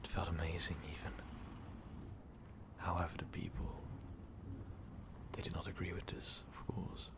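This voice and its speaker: A man voicing an ancient, brooding, power-hungry vampire overlord in an ASMR roleplay, talking haltingly and often slipping into whispers. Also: low voice, level tone. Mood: brooding, proud. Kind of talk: ASMR roleplay monologue, intimate storytelling.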